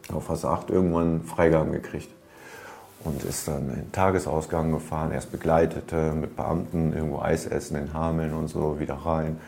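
Deep gravelly man telling street stories. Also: warm tone. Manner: rambling, street slang, frequent fillers. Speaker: storyteller recounting past. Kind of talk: casual spoken storytelling.

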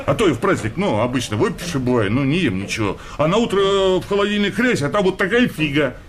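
An actor playing a naive, grumbling, hard-drinking working-class husband in a comic radio play, with coarse, colloquial delivery. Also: male voice, fairly high pitch, lively intonation, fast, close to an everyday voice. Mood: grumbling, aggrieved.

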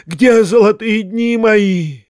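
Male reader playing a theatrical, self-pitying man, high drawn-out wails, slow. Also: a little mellow, no echo, studio quality. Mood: anguished. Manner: wailing, drawn-out declamation.

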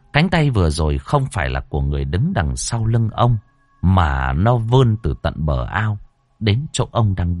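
A man's voice: lowish voice, dry recording. A man narrating a ghost story in a dramatic, suspenseful way. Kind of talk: audiobook narration.

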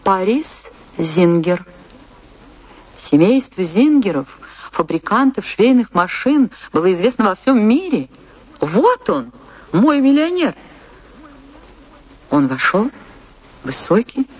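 A woman's voice: lowish voice, darkish tone. An actress playing a romantic, anguished woman dancer who tells her tragic love story in a theatrical, emotive radio monologue. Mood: wistful storytelling. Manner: theatrical, wistful, emotive delivery with dramatic pauses. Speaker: actress narrating a radio play. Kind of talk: dramatic first-person radio play monologue. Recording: radio play with music behind.

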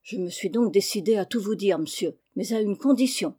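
Woman reading a calm, resolute schoolboy. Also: mid-range voice, a little fast, husky, lightly acted. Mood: firm. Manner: polite and firm.

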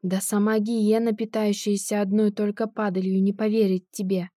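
A woman voicing an elderly gentleman who is quick to anger and indignant, often crying out in an audiobook. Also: mid-range voice, steady tone, no room sound, studio quality, close to an everyday voice. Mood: outraged. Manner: shouting, indignant.

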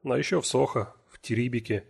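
A man's voice: medium pitch, brisk, gravelly, slightly rough. A man reading the lines of a wry middle-aged male criminalist in a matter-of-fact, reminiscing way.

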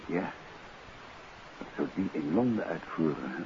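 An actor playing a calm, assured gentleman detective and considerate husband, with a composed, courteous, probing manner in a 1950s radio drama. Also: deep voice, unhurried. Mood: soothing, musing. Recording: muffled, hissy old radio recording.

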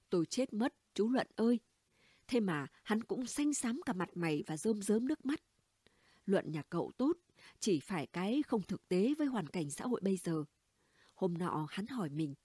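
A female reader voices a brash, gossipy middle-aged neighbor in audiobook dialogue, spilling stories in a chatty, blunt, conspiratorial way. Her medium-pitched tone is warm and mellow with a soft breathy edge, recorded dry and close with no echo.

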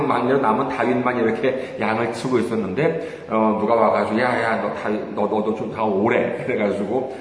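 A male pastor delivers a sermon in a lively, rising and falling voice, keeping it conversational with rhetorical questions and hesitant fillers. The sound is very echoey, with a long hall reverb and faint room noise behind. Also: mid-range voice. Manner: hesitant with many fillers, chuckles while telling stories.

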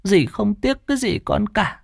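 Guy doing a gentle old granny, soft and high, fussy, dry sound. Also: lively intonation, normal speed, no room sound. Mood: tender. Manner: soft, fussing, pleading. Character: kindly old village woman, fussing and soft.

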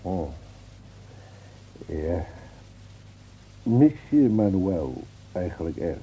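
An actor playing a gentle older village man who reminisces, hesitant and reflective, in a radio drama. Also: low voice, big pitch swings, drawn-out words, breathy edge, full character voice. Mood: gently nostalgic. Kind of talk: Dutch radio drama acting. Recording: dull old radio recording.

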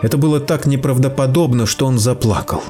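Male narrator, mid-pitched, steady storytelling delivery, faint music bed. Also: brisk.

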